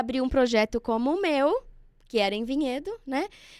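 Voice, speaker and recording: Recorded very cleanly with a silent background and a dry, close sound with no echo, the speech runs at a moderate pace with ordinary pitch variation. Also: woman. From Brazil. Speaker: early childhood neuroeducator. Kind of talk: podcast interview.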